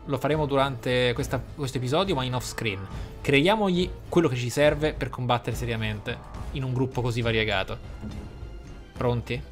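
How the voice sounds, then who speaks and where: Man, gameplay commentator, theatrical, flowery wording, mid-pitched, music behind. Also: normal speed. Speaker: gaming video host. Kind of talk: casual gameplay commentary with roleplay narration. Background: game music.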